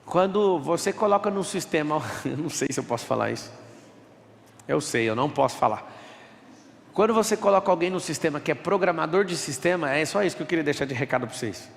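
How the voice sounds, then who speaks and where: Speaking fast in a fairly high, expressive and gravelly voice, a live-event speaker delivers an emphatic motivational talk in an auditorium and takes audience questions. He uses rhetorical flourishes and voices the people he quotes, with a big-room sound.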